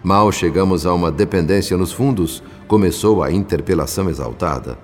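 An actor with a Brazilian accent playing a grave, compassionate spirit who narrates a radio drama in measured, formal, solemn speech. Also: male voice, deep voice, natural voice. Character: grave, compassionate male spirit recounting events, pleading for calm. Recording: long reverb, music behind.

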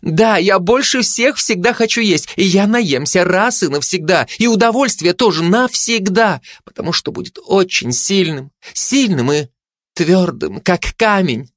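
A man voicing a gluttonous, excitable female dog who squeals and rambles dreamily about food, in a dry close recording. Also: high voice, measured pace, dry recording, pitched above the performer's own voice. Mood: insistent.

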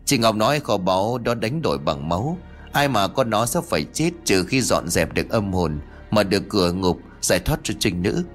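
A man's voice: lowish voice, very animated, normal speed, soft background music. A man voicing a concerned young woman speaking earnestly.

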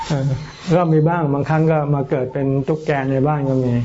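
A middle-aged man, a Buddhist monk teacher, answering questions in an unhurried, joking, plain way. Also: fairly high pitch, fairly even intonation, dark tone. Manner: unhurried, joking, explains plainly in Thai and English. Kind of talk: relaxed dharma Q&A talk. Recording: muffled with faint noise.

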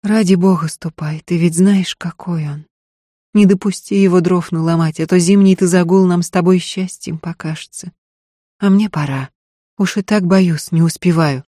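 Brief: quiet, restrained young woman singer, resolute, voiced by a woman narrator, dry close sound. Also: on the low side, fairly even intonation, normal speed, no echo, natural voice. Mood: soft resolute.

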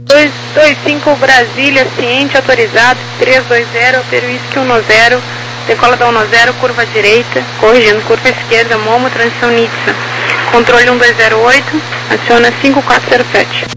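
A high-pitched female voice comes over a walkie-talkie style radio with clear background noise. She is an air traffic ground controller, reading out procedural instructions in a terse, businesslike way. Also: flat delivery, moderate pace. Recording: noisy radio transmission, vehicle-like background noise.

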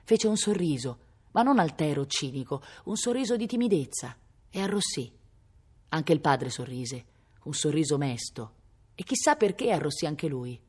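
A woman reads a novel aloud in a low voice. Her delivery is measured and steady, a literary reading recorded at a public library. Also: husky. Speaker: reader.

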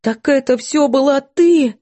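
A woman voicing a timid, weepy young housemaid who wails and sobs high in her voice. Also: measured pace, mellow. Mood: shocked. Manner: wailing, high and tearful.

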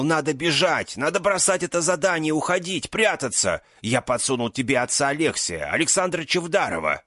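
A man's voice: on the high side, sharp tone, no echo, clean studio sound, voice pushed up, exaggerated voice. A man voicing a desperate aging magister who pleads with his former pupil. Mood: pleading. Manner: pleading, rising to outbursts.

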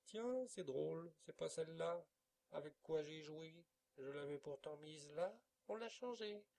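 A man reading a storybook aloud, voicing a sly little boy who lies well, in a high, loud, whiny tone. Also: expressive, moderate pace, husky. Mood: feigning surprise.

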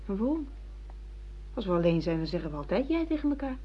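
A woman's voice: mid-range voice, very animated, a little fast, slightly rough. A woman acting a self-assured secretary and secret mistress in a Dutch radio play, frank and reproachful as she lectures her boss. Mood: chiding. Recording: muffled lo-fi radio play recording.

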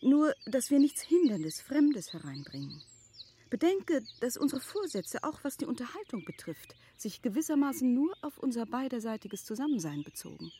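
A mellow, earnest gentlewoman in radio drama. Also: a little high, very animated, slight background noise. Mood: gently firm. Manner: measured, eloquent, formal literary phrasing. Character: earnest, prudent middle-aged married gentlewoman, gently firm. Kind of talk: classic German radio play acting.

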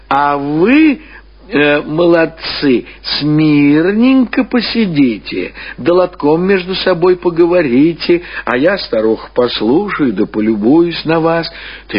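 Male narrator voices elderly grandmother for radio story; chiding, cajoling, slow, slightly high. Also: breathy edge, heavily acted. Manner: measured, cajoling, homely sing-song. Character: old grandmother, chiding, coaxing, falsely playful peacemaker. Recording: dull old radio recording.

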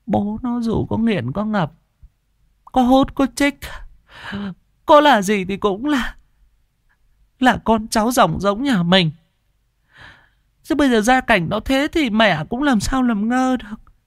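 A man voicing a grieving, frightened old grandmother in a high falsetto, wailing and begging in a ghost story. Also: expressive, takes it slowly, long pauses, dry recording, studio quality, full character voice. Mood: tearful.

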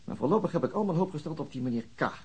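A man playing a weary, gruff police detective in a radio drama, muttering and sceptical. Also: fairly high pitch, lively intonation, very fast, dark tone. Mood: weary, conciliatory. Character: weary male police detective chatting with his woman companion. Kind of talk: naturalistic radio drama acting.

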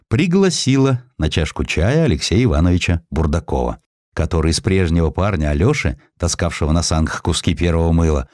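A man narrating a historical sketch as an audiobook, telling it expressively and slowing down for quoted lines. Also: no room sound, clean studio sound. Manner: expressive storytelling, voices quotes with shifts of pitch and slowing down.

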